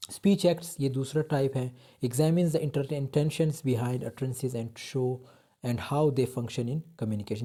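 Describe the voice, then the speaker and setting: Dark-voiced man teaching grammar. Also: medium pitch. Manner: reads English lines slowly, explains in Hindi-Urdu; fills with "ठीक है". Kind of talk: grammar lecture.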